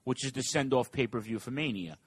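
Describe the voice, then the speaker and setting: A man co-hosting a casual talk show, reading listener questions and giving his opinions in an animated, offhand way. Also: medium pitch, slightly rough, no echo. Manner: animated, fast asides, reads listener questions. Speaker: podcast co-host.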